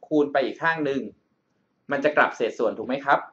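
A man's voice: mid-range voice, fast, a bit bright, lo-fi sound. A male math tutor talking through an exam problem over a screencast, often checking in with the listener. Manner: calls himself by a big-brother nickname, checks in with the student often. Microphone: voice-over on a screen recording.

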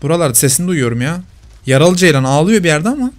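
A man's voice: on the high side, expressive, fast talker. A man commenting live on his own gameplay, teasing the players he hunts.

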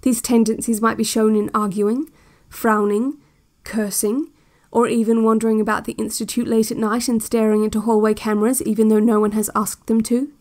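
A woman playing a calm, controlling institute narrator on a relaxation cassette, speaking in a measured and quietly menacing way. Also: a little high, natural voice. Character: soft-spoken, controlling female institute narrator on a relaxation tape. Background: music.

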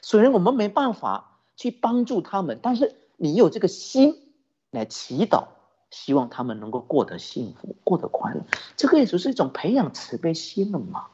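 Buddhist teacher, male, animated sermon delivery, breathy husky tone, muffled low-fi recording. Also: moderate pace. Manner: lively storytelling, rhetorical questions, chuckling. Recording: dull lo-fi recording.

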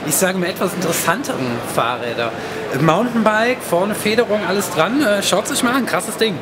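A man's voice: sits high, lively intonation, moderate pace, loud music behind the voice. A man in his thirties talking casually and slangily to a handheld camera as he vlogs around a trade fair. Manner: slangy, laid-back. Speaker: vlog host. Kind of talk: casual vlog commentary. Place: busy trade fair halls and grounds. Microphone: handheld camera at arm's length. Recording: loud trade fair background noise.

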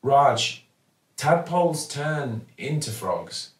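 A sad, polite little schoolgirl from a storybook, played by a man reading aloud. The voice is pitched up and downcast, in a roomy space. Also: lively intonation, extremely slow, a little hiss or hum. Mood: sincere. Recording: roomy, slightly distant mic.

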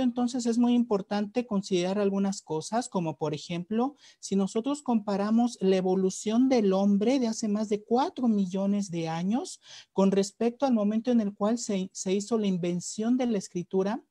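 Mexican-accented male presenter, mellow dry voice, halting and repetitive, video-call lecture. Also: high voice, no room sound. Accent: Mexican Spanish. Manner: frequent hesitations and repeated words. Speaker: webinar presenter. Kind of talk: academic presentation. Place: home room, on a video call. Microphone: webcam or computer mic on a video call.

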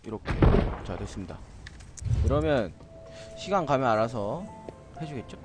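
A man's voice: mid-range voice, expressive, moderate pace. A man giving let's play commentary with a playful, cocky manner, explaining each step to viewers and jokingly scolding the game's citizens. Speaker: gaming video host. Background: loud game music.

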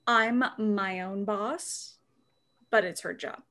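A woman's voice: medium pitch, steady tone, slow pace, pushed and bright. A woman playing a hesitant, motherly crook. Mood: placating. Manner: hesitant, placating, calls others sweetie. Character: cautious motherly female gang member nicknamed Soccer Mom. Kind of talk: amateur audio drama reading.

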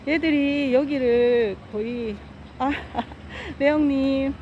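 This dog owner is live-streaming her walk on an outdoor path near stepping stones, talking casually on her phone and fondly telling off her pets. She speaks slowly in a high voice with a dark tone. The recording has its highs cut off and a slight hiss or hum.

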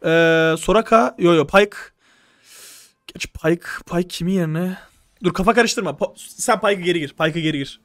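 A young man streaming live, coaching players through a strategy game with urgent, animated instructions. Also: high voice, normal speed, no echo, studio quality.

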